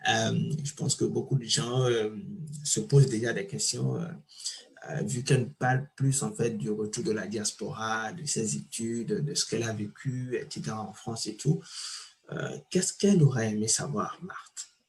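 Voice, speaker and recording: A man's voice: on the low side, moderate pace. Easygoing male interview host. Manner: relaxed, with many fillers and repeated words. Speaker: podcast host. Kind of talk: casual interview chat.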